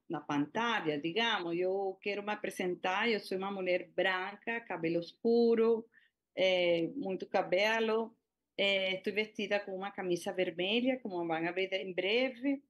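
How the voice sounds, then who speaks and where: A middle-aged Venezuelan woman gives a public hearing presentation over a video call in Portuguese, her second language, with a Spanish accent. Her mid-range voice is hesitant, full of fillers, and she keeps restarting sentences.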